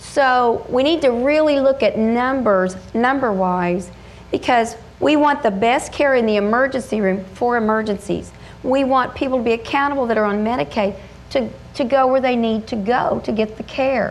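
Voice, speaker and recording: A woman with an American accent speaks in a high pitch, her loudness very even and her pitch varying in an ordinary way. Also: moderate pace. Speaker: physician and state senator. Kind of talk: political discussion. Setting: stage with audience.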